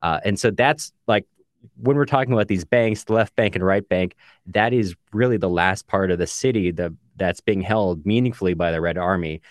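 Man, low pitch, dry booth sound, casual podcast co-host, discursive explainer. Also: moderate pace, no echo. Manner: discursive, explanatory, with many asides. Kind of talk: casual book discussion with quoted readings. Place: recording booth.

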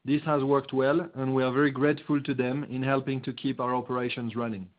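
A man presenting prepared quarterly results as a chief executive, in a formal, measured, somewhat stiff manner. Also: mid-range voice, level tone. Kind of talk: prepared corporate earnings-call presentation. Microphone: conference call line. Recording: muffled, narrow-band conference call line.

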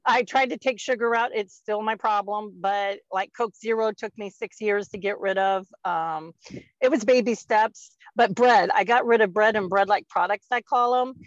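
A woman's voice: medium pitch, normal speed, dry recording. A woman in her fifties chatting casually on a podcast, rambling with lots of fillers and frequent laughs. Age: 50s. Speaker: guest. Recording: dull lo-fi dry sound.

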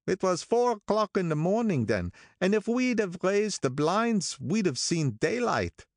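A man voicing a gloomy, sentimental older gangster who talks in a slow, brooding, drawn-out way. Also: sits high, sing-song, no echo, studio quality, voice pushed up, full character voice.

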